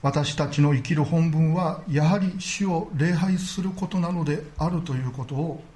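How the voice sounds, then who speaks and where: A man preaching a sermon as pastor, earnest and measured, often padding his sentences with small filler words. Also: fairly high pitch, darkish tone.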